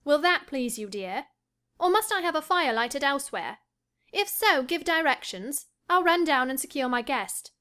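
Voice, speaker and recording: A passionate, impulsive young lady who speaks high and breathless, as a woman narrating puts her on. Her words tumble out eager and pleading, a voice pitched well above the narrator's own. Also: expressive, normal speed, few pauses, a bit bright. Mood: insistent. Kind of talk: audiobook character voice.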